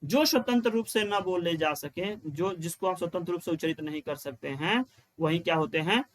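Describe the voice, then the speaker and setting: A male teacher giving an exam-prep grammar lesson, explaining step by step, repeating key lines and asking questions he answers himself. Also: fairly high pitch. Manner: chants rules in a slow sing-song.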